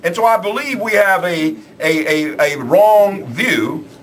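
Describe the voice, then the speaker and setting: A man's voice: high voice, expressive, takes it slowly, slight background noise. Emphatic man preaching on radio. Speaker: preacher on a church radio show. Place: small radio studio. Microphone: studio mic.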